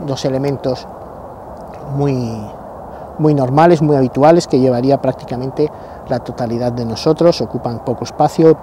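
A man in his sixties, a channel host, seated in sunny pine woods, explaining his gear to the camera in a halting way, with fillers and repeated words. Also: fairly high pitch, dark tone. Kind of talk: casual outdoor gear talk to camera. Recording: noisy outdoor recording.

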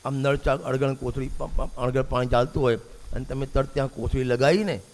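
A man's voice: medium pitch, steady tone, brisk, a little mellow. A man preaching a sermon, repeating a refrain and putting rhetorical questions to his listeners. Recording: long reverb of a large hall.

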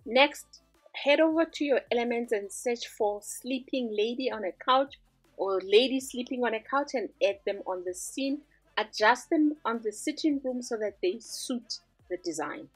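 Breathy upbeat woman teaching a tutorial. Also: on the high side, a little slow, dry recording, faint music behind, poor audio. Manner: upbeat, step-by-step instructing. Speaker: tutorial host. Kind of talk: screen-recorded design tutorial.

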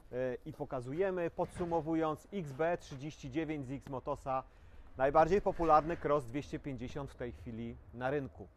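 A man in his forties presenting a dirt bike to camera outdoors, listing specs in a steady sales pitch with frequent filler sounds. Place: outdoors in front of a shop wall.

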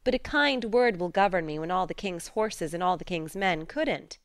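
A woman's voice: on the low side, lively intonation, moderate pace, dry recording, studio quality. A woman reading a spirited, outspoken teenage girl who speaks earnestly and frankly.

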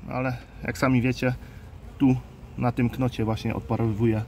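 A man at mid pitch talking casually as he tends beehives outdoors, filmed on a handheld phone. He is unhurried and thinks aloud, pausing on fillers. A faint hum of bees and outdoor ambience sits behind him. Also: flat delivery, darkish tone. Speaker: beekeeper and channel host. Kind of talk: casual hands-on explainer vlog. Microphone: handheld phone camera. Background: faint outdoor ambience with buzzing bees.

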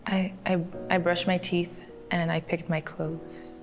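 A teenage woman from Canada answering interview questions in a soft, giggly way with many ums, filmed in a photo studio. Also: lowish voice, little pitch movement, unhurried. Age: teens. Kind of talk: recorded profile interview. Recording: clip played with faint music.

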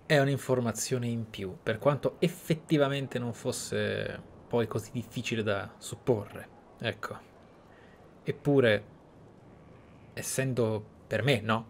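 A man from Italy giving reflective roleplay commentary on a game as a streamer, with dramatic pauses. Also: mid-range voice, slight background noise. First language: Italian. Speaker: streamer, let's player.

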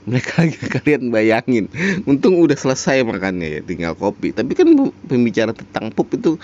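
A man's voice: mid-range voice, sing-song, a little fast, a little mellow, dull audio. A man hosting a casual reaction commentary, rambling with many fillers and frequent chuckles. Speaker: reaction video host.

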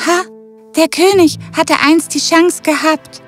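Proud, touchy storybook unicorn played by a woman, high and dramatic voice, clear music underneath. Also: steady tone, takes it slowly. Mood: indignant. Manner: dramatic, exclaiming. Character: proud, easily angered unicorn longing for a rainbow. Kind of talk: children's fairy tale voice acting.

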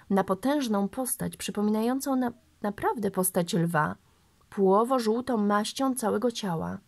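A woman narrating a novel aloud in a steady, measured way. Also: mid-range voice. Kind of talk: audiobook reading of a novel.

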